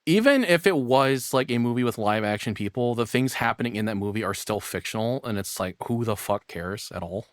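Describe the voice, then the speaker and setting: A man's voice: medium pitch, expressive, fairly quick, few pauses, no echo, studio quality. A man giving casual reaction commentary in a rambling, informal, sweary way. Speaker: reaction streamer.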